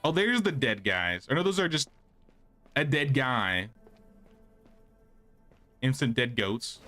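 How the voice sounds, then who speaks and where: A man's voice: mid-range voice, big pitch swings, slow, bright, forceful tone. Casual male game streamer over faint music. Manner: chatty, thinking aloud. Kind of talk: casual livestream gameplay commentary.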